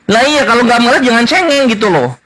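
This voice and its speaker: A man's voice: very high-pitched, expressive, brisk, a bit bright. A man arguing in a heated debate, mocking and taunting his opponents and repeating his jeers again and again.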